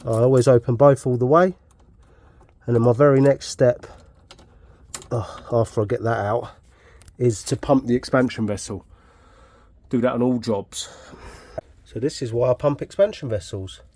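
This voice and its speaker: Middle-aged heating engineer with a cold, blunt, ranty and sweary, filmed on a phone in a house loft. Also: male voice, mid-range voice, moderate pace, pauses often, a little mellow. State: has a cold. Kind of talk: casual work vlog. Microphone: phone camera.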